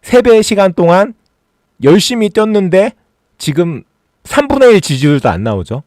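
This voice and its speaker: A man's voice: sits high, big pitch swings, moderate pace, darkish tone, no room sound, clean studio sound. A man hosting a casual political livestream, talking sarcastically and mockingly and working himself up into exasperated rants. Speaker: political YouTube host.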